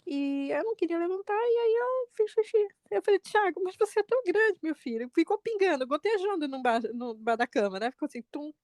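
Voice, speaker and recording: A woman in her forties, a mother co-hosting a podcast, telling a family story in lively chat and jumping up in pitch when she quotes people. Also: fast talker, few pauses, dry recording, clean studio sound. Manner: animated retelling, quotes her son with pitch jumps.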